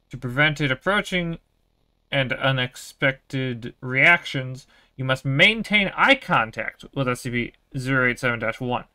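A man's voice: medium pitch, pushed and bright. A man giving casual, uneasy commentary as he streams a horror game, swearing and muttering taunts at the monster.

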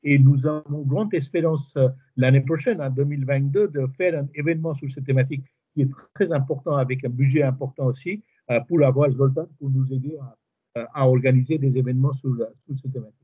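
Halting French man on a muffled call. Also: mid-range voice, fairly even intonation, breathy edge. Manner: halting, many fillers and restarts. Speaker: webinar moderator. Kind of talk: formal introduction of a speaker. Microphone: video call. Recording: muffled video call audio.

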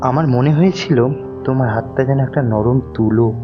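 A man's voice: medium pitch, moderate pace, lightly acted. A man playing a devoted young man in love in an audio romance drama, speaking earnestly and romantically. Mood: romantic, nostalgic. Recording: dull lo-fi audio under guitar music. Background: plucked guitar music.

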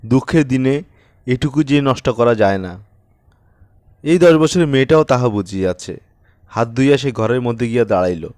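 A man narrating a classic short story as an audiobook in a measured, even storytelling manner. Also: mid-range voice. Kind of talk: scripted literary narration.

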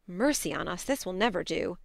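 A woman reading a storybook, voicing a blunt, spirited young woman who talks briskly. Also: on the low side, lively intonation, vocal fry, no room sound, studio quality. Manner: brisk, scolding, then tender.

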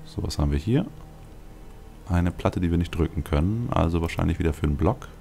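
A man with a very deep voice full of vocal fry talks through a video game. He rambles casually, thinking aloud as he plays. Game music runs clearly behind him. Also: lively intonation, a little fast, dark tone. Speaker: let's play host. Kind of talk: casual gameplay commentary.

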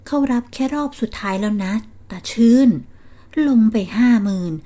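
A woman's voice: fairly high pitch, normal speed, warm tone, natural voice. A woman voicing a gullible old grandmother who keeps defending her risky investments. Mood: eager. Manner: stubborn, pleading, defensive. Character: gullible old village grandmother chasing quick money.

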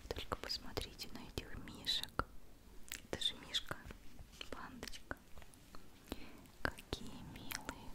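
Woman whispering right in your ear. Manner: soft close whisper, right in the listener's ear; gushing, affectionate, fond of diminutives. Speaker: ASMR video host. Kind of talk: ASMR whispered unboxing and try-on chat. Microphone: large studio microphone right at the mouth.

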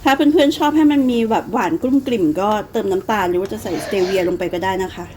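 A woman's voice: medium pitch, lively intonation, fast, background noise. Chatty Northeastern Thai woman cooking. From Thailand. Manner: chatty, talks about herself by her own nickname. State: coughing with phlegm. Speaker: cooking vlogger. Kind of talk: casual cooking vlog.

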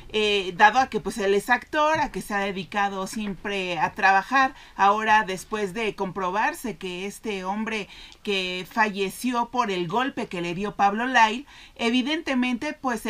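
A woman in her forties hosting a celebrity gossip show from a small studio desk, talking in a lively way with frequent fillers. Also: medium pitch. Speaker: entertainment news host. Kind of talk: entertainment gossip commentary. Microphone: studio mic on stand in front.

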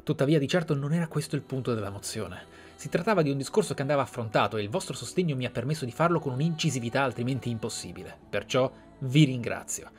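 A man's voice: mid-range voice, lively intonation, fast talker, few pauses, faint music behind, natural voice. A man voicing an eloquent, defiant noble mage from a fantasy game in a florid, formal manner. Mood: formal, grateful. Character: eloquent, theatrical, defiant Tevinter magister noble.

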